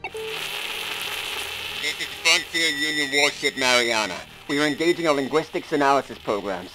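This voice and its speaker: A man playing a stern, formal warship officer making a measured hail over radio in a sci-fi audio drama. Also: fairly high pitch, very animated, creaky, music in the background, heavily acted, rough recording. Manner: formal, measured military announcing. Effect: radio transmission.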